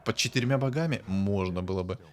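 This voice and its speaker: A man casually commenting on a strategy game as a streamer, thinking aloud and breaking into bursts of excitement. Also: lowish voice, brisk. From Ukraine.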